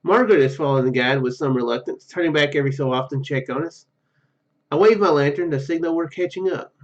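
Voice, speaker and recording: A man with a fairly high voice plays a story game for his viewers. He reads the narration aloud, tripping over words and dropping in casual comments. The microphone sound is a little dull. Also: quick pace. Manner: stumbles over words while reading. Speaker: gaming video host.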